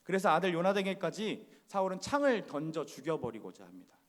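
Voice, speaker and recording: Lively, conversational male preacher in a church hall. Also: high voice, a little fast. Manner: conversational, asks the congregation questions. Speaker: pastor. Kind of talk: sermon. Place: church sanctuary.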